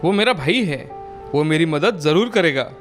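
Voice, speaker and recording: A man voicing a caring father and brother in a cartoon story, speaking gently. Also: a little high, animated, moderate pace, faint music behind, natural voice. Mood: pleading.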